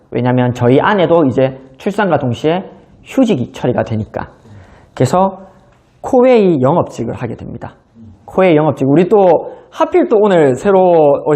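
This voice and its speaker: A man's voice: a little high, mellow. A man in his thirties giving a motivational business lecture, telling his own story in a conversational way. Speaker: business seminar speaker.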